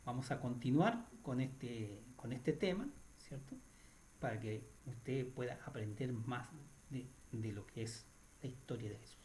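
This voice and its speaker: A man's voice: mid-range voice, expressive, unhurried, darkish tone, slight background noise. A man hosting a Catholic radio program, retelling a story in a chatty teaching style, often tacking "right?" onto his sentences and restarting phrases. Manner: adds tag questions like "right?", with restarts.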